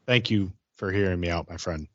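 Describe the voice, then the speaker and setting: A very low, slightly dull recording of an earnest vampire insider, played by a man. He talks haltingly and guardedly, circling back over his phrases in a role-play game. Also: no room sound, natural voice. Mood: earnest, loyal. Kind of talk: improvised role-play dialogue.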